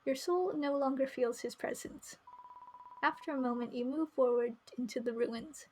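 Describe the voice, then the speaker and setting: High-voiced woman reading a game aloud. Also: normal speed, slight background noise. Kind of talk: live game commentary and narration reading. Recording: music behind the voice. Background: game music.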